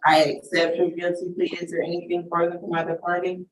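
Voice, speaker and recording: A woman judge running a courtroom plea hearing, asking formal questions in a brisk, measured way. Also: on the low side, flat delivery, reverberant. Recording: distant mic with faint noise.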